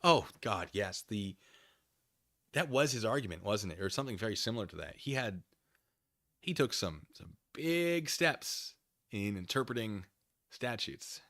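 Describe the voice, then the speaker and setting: A man with a slightly low but bright, forward voice hosts a livestream. He rambles casually through his commentary and drops in playful, self-deprecating asides as he talks to viewers. The sound is dry, with no room around it. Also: very animated, a little slow, no echo.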